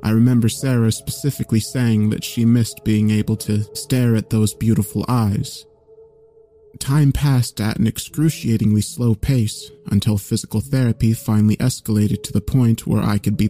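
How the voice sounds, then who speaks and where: A man narrating a scripted first-person horror story in a measured, solemn way. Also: lowish voice, warm tone. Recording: faint music behind. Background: faint background music.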